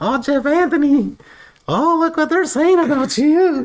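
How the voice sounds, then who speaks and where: A put-on character voice at a high pitch. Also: moderate pace. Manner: taunting.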